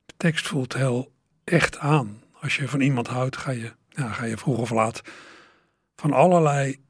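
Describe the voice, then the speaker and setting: A man presenting a music radio show, introducing songs in a musing way and pausing on hesitant fillers. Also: mid-range voice, noisy background. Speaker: radio host.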